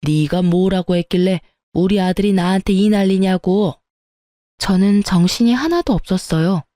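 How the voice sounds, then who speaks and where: Mellow-voiced woman narrating a true story. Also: mid-range voice, no room sound, studio quality. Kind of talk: first-person story narration.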